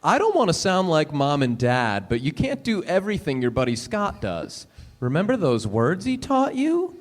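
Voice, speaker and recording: A man reading a dramatic monologue as an earnest, scolding big brother talking to his little brother, with halting delivery. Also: on the high side, wildly swooping pitch. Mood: earnest, wistful.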